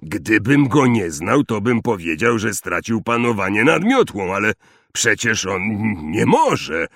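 Man voicing a gruff big man, storybook, slow, low, troubled, husky. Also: big pitch swings, fairly bright tone, no echo, studio quality, heavily acted. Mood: worried.

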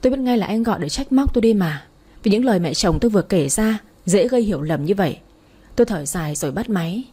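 Woman storyteller, first-person narration, mellow and husky. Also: medium pitch, lively intonation, fast talker.

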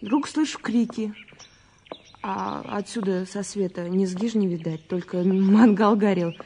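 A young woman in a radio detective drama, chatty and sure of her opinions. Her voice is mid-pitched, soft-toned and a little husky, with colloquial, dismissive turns of phrase. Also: unhurried. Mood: rattled, recounting. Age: young adult. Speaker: actor in an audio play. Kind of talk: naturalistic radio drama dialogue.

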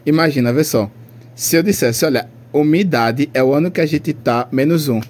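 Rambling young Brazilian man, dark voice. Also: a little high, a little fast. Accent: Brazilian Portuguese. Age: 20s. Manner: rambling, slangy, laughs often. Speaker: podcast co-host. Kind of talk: casual chat.

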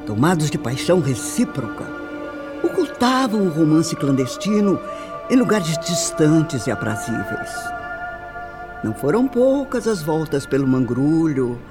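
An actress playing a refined, sorrowful older mother in a radio drama, with a Brazilian accent and solemn, deliberate, formal phrasing. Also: sits low, very animated. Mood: grave, bitter. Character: older upper-class widowed mother, grave, sorrowful, refined. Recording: music under the voice. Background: background music.

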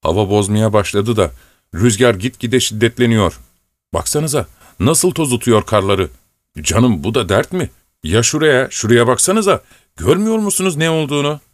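A man putting on a nervous peasant coachman, pitched well above a plain reading voice and pleading insistently. The voice is dry and close. He sounds like a storybook driver fretting over the weather. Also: animated, moderate pace, dry recording, natural voice. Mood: worried. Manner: anxious, pleading, raised voice. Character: worried male peasant coachman, superstitious and stubborn.

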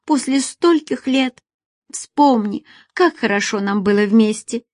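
A woman's voice: fairly high pitch, measured pace, a little mellow, no echo, clean studio sound, voice pushed up, natural voice. A woman voicing a desperate former lover, who pleads in a weepy, trembling voice, as in an audiobook. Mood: pleading.

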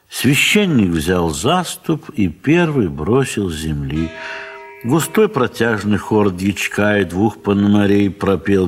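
A man narrating a literary audio drama in measured, dramatic phrases with long pauses. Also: lowish voice, husky.

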